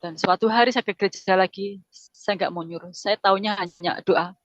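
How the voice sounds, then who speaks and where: A woman's voice: mid-range voice, normal speed, no echo. A middle-aged woman giving an emotional personal testimony in casual storytelling, repeating herself and acting out dialogue. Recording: dull lo-fi sound.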